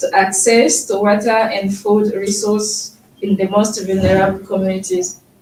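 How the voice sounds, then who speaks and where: Moderate pace amid noticeable background noise. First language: French. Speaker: audience member, agricultural worker. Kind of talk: audience question. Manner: halting.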